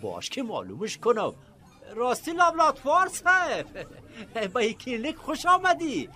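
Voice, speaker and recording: A man's voice: very high voice, huge pitch swings, sharp tone, heavily acted. An Afghan-accented male actor playing a cheeky, naive village man in a comic radio drama, chatty and over-polite. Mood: chummy, ingratiating.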